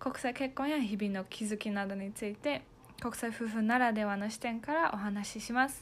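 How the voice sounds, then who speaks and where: A woman with a German accent speaks at a moderate pace with a fairly high pitch. Her voice is somewhat breathy, with ordinary pitch variation. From Germany. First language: German (speaking Japanese). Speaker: podcast co-host. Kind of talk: casual chat; scripted intro.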